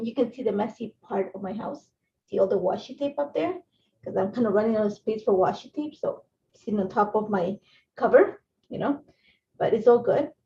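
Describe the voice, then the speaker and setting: A middle-aged Ecuadorian woman hosts a casual craft livestream from her home craft room, chatting, rambling and greeting viewers by name. Her high-leaning voice is creaky, with slight background noise. A phone-and-laptop setup yields dull, lo-fi livestream audio.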